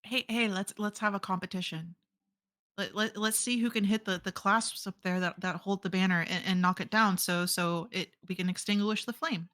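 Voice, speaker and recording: A woman's voice: medium pitch, fairly even intonation, moderate pace, few pauses, a bit bright. A woman playing a tabletop game, chatting casually with stammering restarts. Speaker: player. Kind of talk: casual chat while role-playing.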